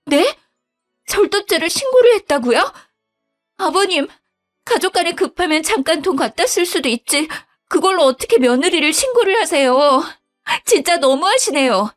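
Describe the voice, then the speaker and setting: Woman voicing a high, whiny daughter-in-law figure for a narrated story; pleading, stammering schemer. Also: expressive, moderate pace, soft background music. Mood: indignant.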